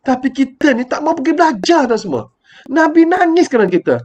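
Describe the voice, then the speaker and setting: A man's voice: very high voice, sing-song, a little fast, a little mellow, highs cut off. An older man with a Malaysian Malay accent giving a rambling, emotional live-streamed religious talk, repeating words and calling himself by his title. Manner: rambling, repetitive and emotional, refers to himself in the third person. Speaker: preacher.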